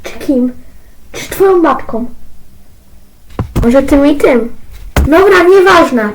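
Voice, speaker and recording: A woman's voice: sits high, expressive, takes it slowly, slight background noise, poor audio. A woman voicing a cheeky, mouthy teenage son who talks back. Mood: sulky.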